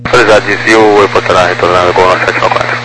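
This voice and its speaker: A man's voice: sits low, flat delivery, fast talker. A male airline pilot talking over aviation radio, making clipped, routine calls to air traffic control.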